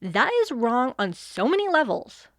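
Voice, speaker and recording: A woman's voice: a little high, sing-song, measured pace, fairly bright tone, no echo, clean studio sound, exaggerated voice. A woman playing a breezy, sardonic fairy in an audio comedy drama. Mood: exasperated. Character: cocky sarcastic female fairy wielding chaos magic. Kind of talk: audio fiction comedy acting.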